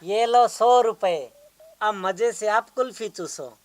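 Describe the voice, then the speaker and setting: A man's voice: sits high, takes it slowly, noisy background. A man playing a henpecked young house-husband in a comedy skit, complaining and pleading to get away. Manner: whining, pleading.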